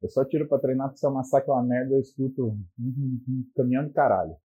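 A man's voice: mid-range voice, fairly even intonation, fast, warm tone, slightly rough, muffled recording. A man with a Brazilian Portuguese accent giving blunt, profane relationship advice in a crude comic monologue.

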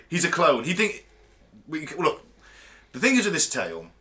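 Lively, bright-voiced British man. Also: fairly high pitch, unhurried. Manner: animated, sweary, laughs often, reads news aloud. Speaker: podcast co-host. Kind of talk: casual comedic chat.

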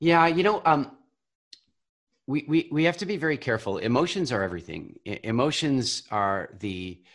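A man guest on an interview, telling parenting stories in a casual, animated way and often repeating words as he starts. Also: mid-range voice, normal speed. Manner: animated storyteller, acts out voices. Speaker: guest, parenting and business coach.

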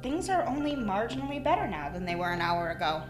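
A woman voicing a blunt, deadpan woman lost in dark hallways in an audio drama. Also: mid-range voice, fast, close to an everyday voice. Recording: echoey room with music behind.

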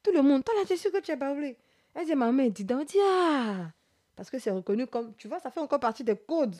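A woman from Côte d'Ivoire, hosting a podcast in casual, animated conversation. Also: high-pitched, fairly quick. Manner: animated, laughs while telling stories. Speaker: podcast host. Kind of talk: casual chat.

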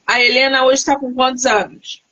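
A woman interviewer with a fairly high voice, full of admiring exclamations as she chats. Her sound is dull and muffled. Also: fairly even intonation, normal speed, sharp tone. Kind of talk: casual interview chat.

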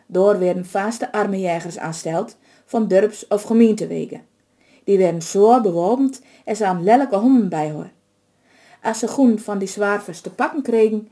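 Dark-toned woman telling a folk tale. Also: mid-range voice. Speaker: storyteller. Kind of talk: reading a folk tale aloud.

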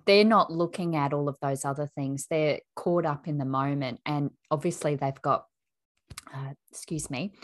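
Low-voiced woman hosting a calm interview. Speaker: podcast host; mother. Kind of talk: reflective interview chat.

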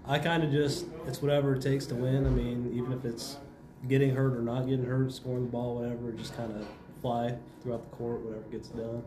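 A man's voice: mid-range voice, level tone, fairly quick. A young man answering an interviewer casually, in a terse, understated way as a school athlete. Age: young adult. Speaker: high school basketball player being interviewed. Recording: echoey room, clearly noisy, distant.

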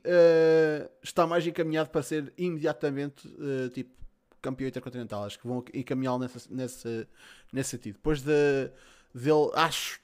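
A man with a European Portuguese accent, hosting a podcast and reading out listener questions in casual, slangy talk with some swearing. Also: mid-range voice. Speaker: podcast host.

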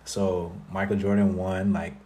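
A young man from South Florida, a guest music artist talking about his life in a relaxed interview, with many fillers. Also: sits low, unhurried. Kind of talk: casual interview conversation.

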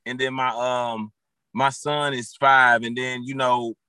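A man's voice: medium pitch, level tone, slow, pushed and bright, smooth, no room sound. A man in his thirties, a guest and football coach, talking casually on a podcast with many fillers and restarts. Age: 30s.

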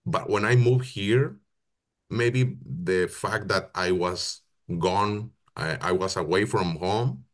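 Deep-voiced man. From Mexico. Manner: searching for words, many pauses and restarts. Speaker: football operations project manager, guest. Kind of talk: casual interview answers.

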